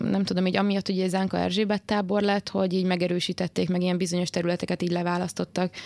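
A woman speaks with monotone, flat intonation. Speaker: student union officer. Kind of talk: casual interview. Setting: studio.

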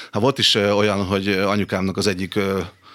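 The recording of this fairly low-pitched male speaker is very clean, with a silent background. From Hungary, Szarvas area. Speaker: poet and writer. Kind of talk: casual interview chat; poetry reading. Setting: radio studio.

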